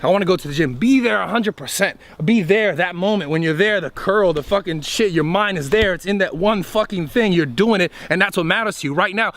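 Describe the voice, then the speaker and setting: A man's voice: sits high, fairly bright tone. A man vlogging outdoors, giving a rambling, profane motivational talk straight to the camera. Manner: rambling, profane, fast and emphatic. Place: outdoors among trees.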